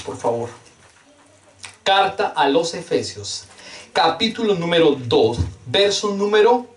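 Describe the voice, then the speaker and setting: Fervent male preacher in an echoey hall. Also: high voice. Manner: fervent, emphatic preaching with rhetorical questions and repetition. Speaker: pastor. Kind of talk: sermon. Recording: echoey room, mic at a distance.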